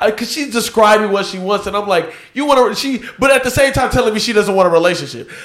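A man speaks in an animated tone with a high pitch, ordinary pitch variation, and a very fast pace with hardly any pauses. Noticeable background noise is present. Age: 20s. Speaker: podcast host. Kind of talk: casual chat.

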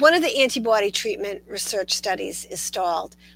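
Speaking with a Boston accent, a woman moves at a moderate pace. Her pitch swings very widely on a very clean recording with a silent background. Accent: Boston, noticeable. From Boston, US. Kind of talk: casual interview chat.

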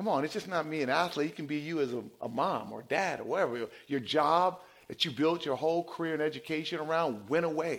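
A man with a fairly high voice talks very fast and animatedly, with hardly any pauses. His pitch varies in an ordinary way, and the recording is very clean with a silent background. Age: 50s. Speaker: pastor. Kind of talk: sermon. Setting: church.

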